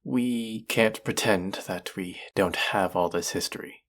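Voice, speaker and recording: A young male chef played by a man in an intimate audio drama, combative and exasperated yet earnest underneath. His voice is deep and heavy with gravelly fry. He speaks slowly, with halting, emotive pauses. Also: a bit bright, heavily acted. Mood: relieved, gentle. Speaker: voice actor in audio roleplay.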